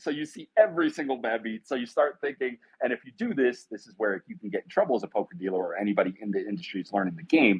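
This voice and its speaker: A man's ordinary speaking voice, medium in pitch, with lively intonation. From Massachusetts, north of Boston (Salem). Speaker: poker industry executive, former dealer. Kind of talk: interview chat.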